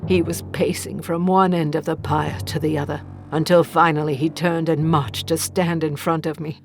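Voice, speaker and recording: A woman's voice: low voice, level tone, gravelly, a little hiss or hum. A woman playing a vengeful condemned witch in a horror audio drama, telling her tale in a theatrical, brooding manner. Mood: bitter reverence. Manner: slow, theatrical, brooding storytelling.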